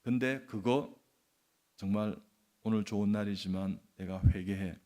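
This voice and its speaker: A man's voice: on the low side, a little slow, warm tone. An older man from the region, a church elder, telling a story during a sermon and acting out the people in it. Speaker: church elder and guest preacher. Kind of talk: sermon testimony.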